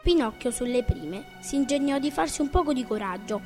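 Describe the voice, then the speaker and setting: A woman narrates a storybook in a lively, expressive way, her voice sitting fairly high. Music plays clearly behind her reading. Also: a little fast. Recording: background music under the reading.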